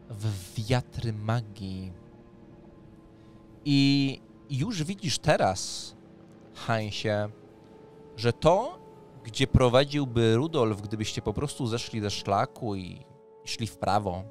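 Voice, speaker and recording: A man's voice: medium pitch, lively intonation, slow pace, long pauses. Male game master, thirties, mid-range voice, improvised fantasy narration, light music bed. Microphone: close microphone on an arm, headset.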